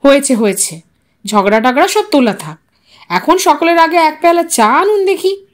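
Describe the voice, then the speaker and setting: A woman's voice: high voice, lively intonation, moderate pace. Lady reading as a breezy rich young guy, playfully formal, storybook banter. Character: well-off, breezy, teasing younger male relative.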